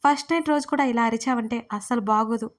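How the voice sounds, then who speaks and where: Woman reading as a smug bossy young boss, teasing and domineering, storybook romance figure, fairly high voice. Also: quick pace, close to an everyday voice.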